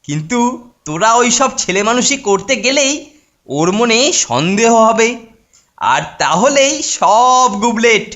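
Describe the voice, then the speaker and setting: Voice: medium pitch, big pitch swings, measured pace, a bit bright. An actor voicing a bumbling teenage boy who fancies himself a detective, boastful and conspiratorial, in a cartoon. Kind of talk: cartoon voice acting. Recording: music behind the voice. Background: cartoon background music.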